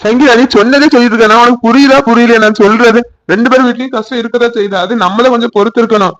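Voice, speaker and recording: A man plays a young village lover in a cartoon, speaking with a Tirunelveli Tamil accent. He reassures her in a fairly high voice at a very fast pace, and the sound is dry and close. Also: fairly even intonation, a bit bright, no echo, dull audio. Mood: reassuring. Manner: reassuring, coaxing.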